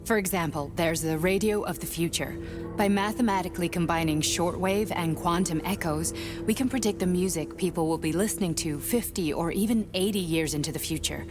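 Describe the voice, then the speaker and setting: A woman's voice: on the low side, fairly quick, natural voice. An actress playing an earnest woman scientist in a video game, speaking in an urgent, persuasive way. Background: game music.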